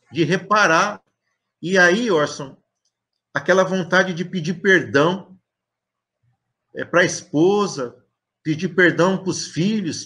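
A middle-aged Brazilian man shares a reflective religious testimony on a video call. His voice sits high for a man, and he speaks very slowly. He is earnest and deliberate, pausing often between short phrases. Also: fairly bright tone. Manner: earnest, deliberate, with frequent pauses. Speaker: guest speaker at a spiritist talk. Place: indoor room at home, on a video call.

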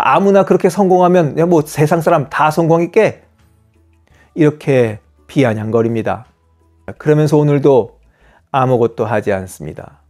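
A man in his fifties narrating a scripted voice-over with a steady, earnest, advice-giving manner. His voice sits at a middle pitch. Quiet music plays faintly beneath him. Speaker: channel host.

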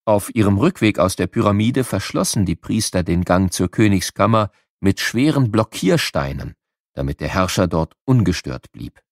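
A man narrates an educational audiobook for children. His voice sits fairly low, yet the melody moves up and down in a very lively way as he explains. The recording is close and dry, with no room sound. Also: gravelly, no echo.

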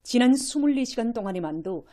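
A woman's voice: on the high side, expressive, a little fast, dark tone. A woman with a North Korean accent reading scripted news narration as an announcer.

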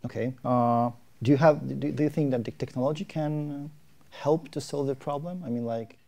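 A middle-aged man hosts a live interview. His voice is dark and relaxed, at an ordinary pitch. He builds his questions haltingly, pausing and starting again. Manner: halting, hesitant phrasing. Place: university lecture room.

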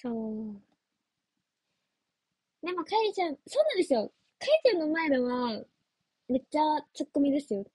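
A woman's voice: high voice, very animated, moderate pace, long pauses, darkish tone, no echo. A young woman chatting casually on a livestream as an idol trainee, giggly and playful as she answers viewer comments. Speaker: idol trainee streaming live.

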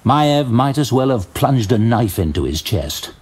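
A man giving dramatic, theatrical scripted narration of a fantasy story, in a measured way. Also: mid-range voice, sing-song, darkish tone, slightly rough.

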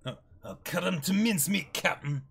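Man playing a raspy, boastful pirate swordsman. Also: sits high, animated, moderate pace, a bit bright, pitched above the performer's own voice, heavily acted. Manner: boastful, theatrical, formal. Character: cocky male acrobat swordsman, pirate second mate.

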